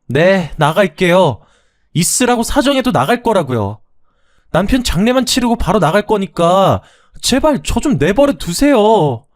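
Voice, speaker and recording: A man's voice: a little high, expressive, normal speed, a little mellow, pitched above the performer's own voice, natural voice. A man voicing a wronged young widowed daughter-in-law, indignant and pleading, in a radio story.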